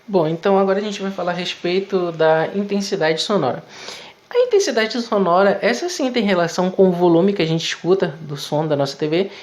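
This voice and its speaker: A man's voice: high voice, animated, brisk. Man, physics teacher, video lesson, conversational, step-by-step explaining, frequent tag questions.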